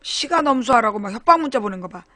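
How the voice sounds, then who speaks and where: A woman's voice: a little high, lively intonation, fast, sharp tone, no echo. A middle-aged woman hosting a casual live-stream talk show, thanking viewers by name, chatty, with sudden bursts of mock outrage. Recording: music playing behind.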